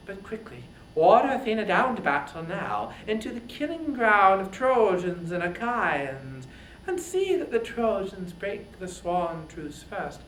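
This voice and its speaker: Casting: a reader as haughty goddess queen, theatrical and deliberate, wide swooping pitch, roomy epic storytelling. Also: a bit bright, slight background noise. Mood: coaxing. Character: Hera, wily imperious queen of the gods.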